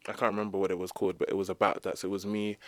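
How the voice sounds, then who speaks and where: A young man from the UK, a guest in an interview, telling his story fluently and quickly. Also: sits low, little pitch movement, dry recording. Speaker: guest speaker on Islamic history. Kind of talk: conversational interview.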